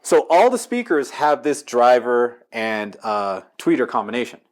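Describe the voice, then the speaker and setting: A man with a medium-pitched voice gives a casual tour of his gear at home. He talks in a loose, rambling, slangy way, like an enthusiast telling stories. The setting is a living room. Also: very animated, a little slow. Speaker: home theater enthusiast giving a walkthrough. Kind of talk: casual gear walkthrough chat.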